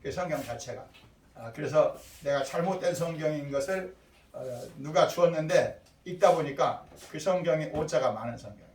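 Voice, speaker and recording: An older man preaching as pastor, lively, quizzing the children and calling on them by name. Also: fairly high pitch, moderate pace, a little hiss or hum. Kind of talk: sermon. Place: church sanctuary. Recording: echoey room from far off.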